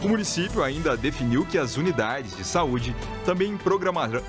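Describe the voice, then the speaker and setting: A man from Brazil reading scripted local news as a radio presenter, in a steady announcer delivery. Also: fairly high pitch, moderate pace, over music.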